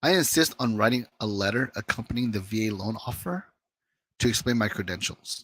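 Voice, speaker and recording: A man speaks at a fairly quick pace in an ordinary speaking voice, his medium pitch moving with ordinary variation. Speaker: mortgage advisor. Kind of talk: webinar presentation. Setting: video call. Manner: casual, conversational.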